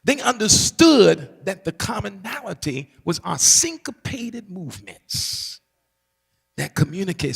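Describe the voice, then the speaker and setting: Gravelly, lively preacher man in a hall. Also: high-pitched. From Barbados. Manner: preacherly, call-and-response asides, emphatic repetition. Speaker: pastor. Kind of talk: teaching sermon.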